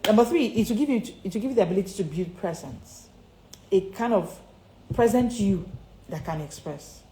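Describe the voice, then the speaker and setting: A woman's voice: mid-range voice, lively intonation, moderate pace, mellow. A woman with a Nigerian accent giving a motivational coaching talk to online followers, speaking emphatically and repeating key phrases like a preacher. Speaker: confidence and public speaking coach. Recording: echoey room with faint background noise.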